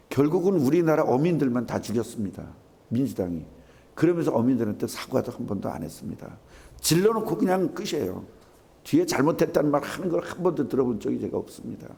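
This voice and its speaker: A male pastor preaching a sermon, asking his congregation rhetorical questions in an animated way. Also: medium pitch, creaky. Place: church sanctuary.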